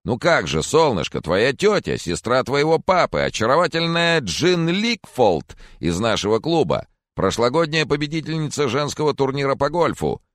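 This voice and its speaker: A man voicing a grieving, drunk older man who wails and pleads in a high, drawn-out voice. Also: very animated, a bit bright, dry recording, clean studio sound. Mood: effusive.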